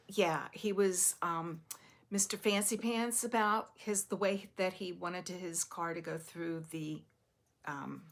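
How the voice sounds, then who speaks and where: A woman's voice: lowish voice, creaky, a bit bright. A woman hosting a knitting podcast from home, telling a rambling, casual story to camera and laughing often. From US East Coast.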